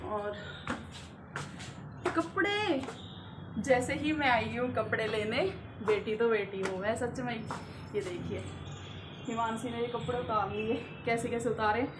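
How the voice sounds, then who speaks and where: A woman with a fairly high voice chats to her viewers while she cooks, talking through every step in a loose, filler-heavy way. The home recording is echoey, with pots and dishes clattering behind her. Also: a little slow, background noise. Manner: chatty, talks to viewers while cooking, frequent fillers. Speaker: vlogger. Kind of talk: casual cooking vlog narration. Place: home kitchen and rooftop.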